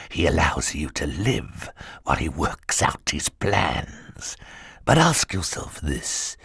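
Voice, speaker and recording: A man voicing a cruel hook-handed henchman with a croaking voice in an audiobook, speaking in a low threatening whisper. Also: fairly bright tone, no echo, clean studio sound, full character voice. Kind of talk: audiobook character voice.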